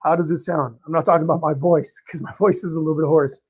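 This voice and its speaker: A man hosting a live painting stream, greeting viewers by name in a friendly, chatty way, his voice a little hoarse and tired, clearing his throat now and then. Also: a little high, fairly even intonation, fast, darkish tone. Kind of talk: live-stream chat and teaching.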